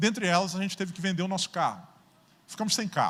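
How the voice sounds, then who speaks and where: Recorded very cleanly against a silent background, a man talks in a Carioca accent. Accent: carioca (Rio de Janeiro) Brazilian Portuguese. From Brazil, Rio de Janeiro. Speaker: guest preacher. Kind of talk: sermon. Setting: church. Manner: animated.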